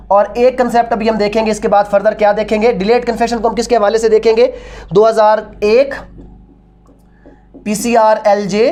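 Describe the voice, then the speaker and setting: Woman, Pakistani accent, higher-pitched voice, law lecturer, didactic, repetitive, question-and-answer teaching, mixes in English phrases. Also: warm tone. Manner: didactic, repeats points and questions, switches between Urdu and English. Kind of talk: classroom lecture with rhetorical questions.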